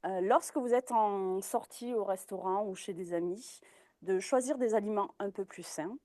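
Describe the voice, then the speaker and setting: A woman's voice: mid-range voice, normal speed, dark tone, no room sound. A young woman giving a presentation as a dietitian, hesitant, with many fillers and restarts. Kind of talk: informal talk presentation.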